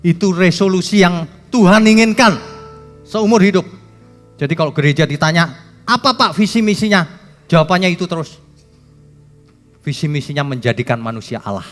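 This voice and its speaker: A man preaching a sermon, his voice sitting fairly high for a man. He is emphatic, swings between loud bursts and soft asides, and jokes with the congregation. He is heard in a reverberant church hall with faint music underneath. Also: normal speed, long pauses. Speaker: pastor.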